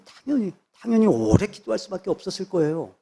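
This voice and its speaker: A man's voice: high voice, very animated, fast, vocal fry, warm tone, breathy edge. A man, a pastor, preaching a sermon with emphatic repetition of phrases. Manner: emphatic, repeats phrases for stress.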